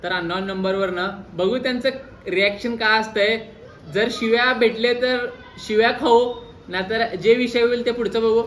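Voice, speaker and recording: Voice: mid-range voice, fairly even intonation, normal speed, fairly bright tone. A person, chatting casually as a vlogger and persistently playing a mock-earnest caller in a phone prank. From Solapur, Maharashtra, India. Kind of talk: casual vlog chat and prank phone call. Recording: clearly noisy ambient recording.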